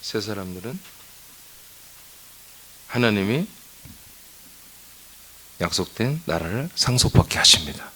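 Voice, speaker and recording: A man's voice: fairly low pitch, big pitch swings, slow pace, pauses often, pushed and bright, slightly rough. A male pastor preaching at a dawn church service, telling a story in a chatty way and scolding with humor. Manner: asks the congregation for answers. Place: church sanctuary.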